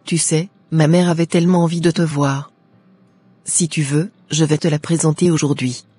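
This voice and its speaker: A woman's voice: low voice, fairly even intonation, normal speed, dark tone, husky, no room sound. A woman voicing a devout, earnest young Christian woman in a cartoon, speaking in a pious way. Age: young adult.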